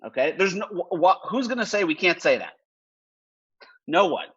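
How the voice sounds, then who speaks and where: Male webinar presenter, fairly high register, emphatic and motivational, clipped statements with a final falling tone, repetition for emphasis, slightly muffled online sound. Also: animated, moderate pace, fairly bright tone, husky. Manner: repeats key phrases and checks in with rhetorical questions. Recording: dull, lo-fi online audio.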